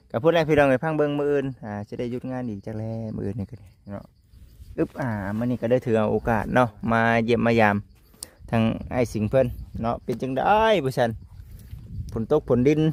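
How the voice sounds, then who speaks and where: A man with an Isan accent talks casually to his followers from a village outdoors. His voice sits at a middle pitch. He keeps calling out to his viewers as he goes. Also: darkish tone, dry recording. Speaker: vlogger.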